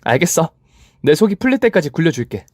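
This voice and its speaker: A man's voice: a little high, sing-song, quick pace, darkish tone, no echo, clean studio sound, pitched above the performer's own voice. A man voicing a tough, vengeful young woman who mocks with crude insults. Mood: gloating. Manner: taunting, crude.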